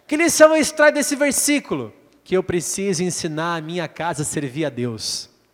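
This man speaks at a high pitch. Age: 30s. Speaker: pastor. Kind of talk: bible study sermon.

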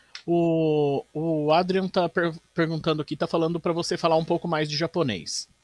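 Speaking at a moderate pace with hardly any pauses, a man uses a high, flat, monotone voice in a dry, close sound with no echo. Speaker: live stream host, teacher. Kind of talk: live stream chat.

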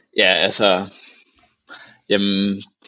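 This is a man speaking. His pitch is medium. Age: 20s. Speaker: university student and football fan. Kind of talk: casual chat. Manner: halting, many fillers and repetitions.

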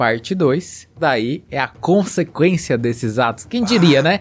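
A man speaks at a fairly slow pace. His tone is animated. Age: 20s. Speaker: podcast co-host, biology student. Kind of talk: casual chat.

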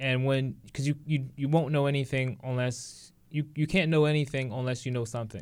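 A man with an American accent speaks at a moderate pace in a medium pitch, using a plain, everyday voice with fairly even intonation and hardly any pauses, on a very clean recording with a silent background. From Boston (Dorchester). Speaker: podcast co-host. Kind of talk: casual interview.

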